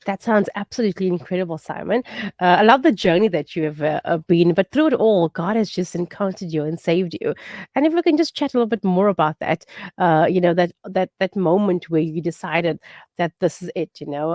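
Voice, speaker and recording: A woman with a South African accent hosting a live morning radio show, bubbly and quick with some fillers. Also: fairly low pitch, lively intonation, darkish tone, dry recording, clean studio sound. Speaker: radio host.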